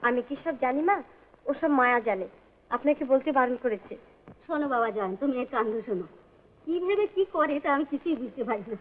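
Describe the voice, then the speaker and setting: An actress playing an affectionate, fretful aunt in 1950s film acting on a tinny old soundtrack with hiss. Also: female voice, sits high, animated, brisk. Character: aunt, warm, fretful older mother figure.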